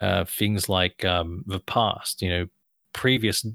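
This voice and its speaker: A fairly slow pace with an Australian accent, on a very clean recording with a silent background and a dry, close sound with no echo. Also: man. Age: 40s. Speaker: podcast host, gamer. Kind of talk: casual chat.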